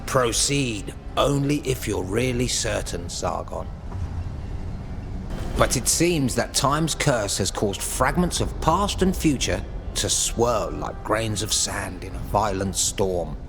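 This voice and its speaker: An actor playing a grave, foreboding guide in a video game, speaking solemnly and portentously. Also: male voice, on the low side, animated, slow, gravelly, exaggerated voice. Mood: grave warning. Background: game music.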